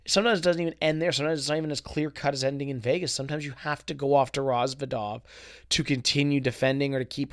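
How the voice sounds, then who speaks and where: Male podcast host, medium-pitched, husky and fry-laden, voice dry and weak from a cold, emphatic off-the-cuff commentary. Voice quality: husky, gravelly. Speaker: podcast host and poker player. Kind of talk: casual solo podcast commentary.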